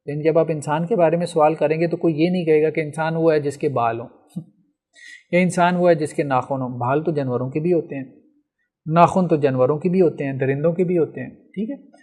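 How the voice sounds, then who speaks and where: A man's voice: on the high side, steady tone, darkish tone. A man teaching a logic lesson, explaining step by step and answering his own questions. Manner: often checks with "theek hai". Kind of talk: classroom lecture.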